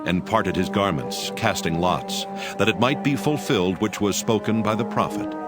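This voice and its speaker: A man's voice: lowish voice, expressive, moderate pace, over loud music. A man narrating scripture as a dramatized reading.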